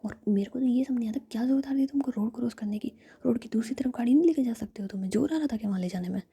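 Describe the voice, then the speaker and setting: A woman's voice: a little high, steady tone, fast talker, dark tone, slightly rough. A woman whispering the lines of a hot-tempered, protective young woman who scolds the others in a told story. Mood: scolding.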